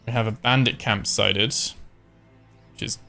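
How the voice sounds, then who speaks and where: A man giving relaxed, casual commentary as he streams a strategy game, thinking aloud with frequent ums. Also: on the low side, unhurried, vocal fry, soft background music. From born in Scotland, raised in Ireland. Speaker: live-streamer.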